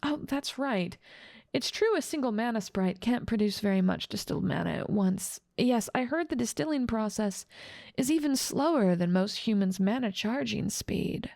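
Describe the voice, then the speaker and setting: A woman's voice: mid-range voice, lively intonation, normal speed, vocal fry, no room sound, studio quality. A woman voicing a smug, scheming evil witch. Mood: gleeful. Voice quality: frequent soft whispering. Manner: smug, condescending, toying with a captive. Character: cold, scheming evil witch, ambitious and controlling. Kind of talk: ASMR audio roleplay.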